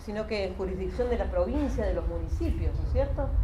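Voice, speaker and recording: There is audible room echo around the woman's voice. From Córdoba, Argentina. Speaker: social organization leader and parliamentary staff. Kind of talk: panel talk. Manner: halting.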